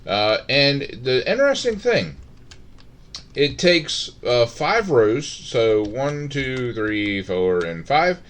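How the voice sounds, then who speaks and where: A middle-aged man giving casual, rambling commentary on his Minecraft game, full of fillers and restarts. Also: medium pitch. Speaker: Minecraft let's-play host.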